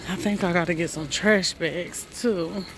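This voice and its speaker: A woman narrates a casual shop-with-me vlog in a large warehouse store, chatting to viewers and exclaiming over prices. She has a lowish voice and takes her time, with store noise and music in the background.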